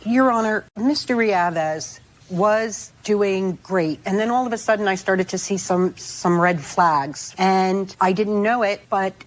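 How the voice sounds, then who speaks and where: Polite, measured woman testifying in court. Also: medium pitch, poor audio. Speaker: plaintiff in small-claims TV court. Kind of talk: testifying to a judge.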